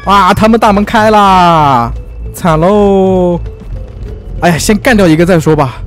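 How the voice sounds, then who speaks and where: A man giving lively, teasing commentary as he plays a video game, full of exclamations. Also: high-pitched, a little slow, soft background music. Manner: excitable, teasing, frequent exclamations and laughs. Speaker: gaming YouTuber. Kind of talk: let's play commentary.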